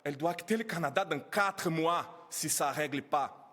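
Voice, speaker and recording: A man's voice: a little high, normal speed, fairly bright tone. Pleading man, non-native French speaker. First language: not French. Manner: pleading, many rhetorical questions. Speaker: immigrant speaking at a press conference. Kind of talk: emotional public testimony. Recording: reverberant hall.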